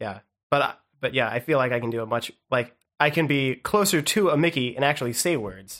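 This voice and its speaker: In a very clean recording with a silent background, a man speaks at a fairly quick pace with an unremarkable speaking voice. His pitch sits in the medium range and his intonation is lively. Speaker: audio department worker / podcast co-host. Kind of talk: casual chat.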